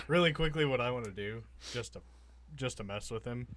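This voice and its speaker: A man's voice: mid-range voice, moderate pace, heavy background noise. A man playing a tabletop game, chatting casually and joking with the others.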